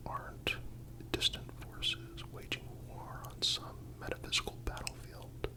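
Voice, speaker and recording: A soothing ASMR narrator reading a scripted reflection in a breathy, unvoiced whisper, measured and deliberate. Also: extremely high pitch, rough recording.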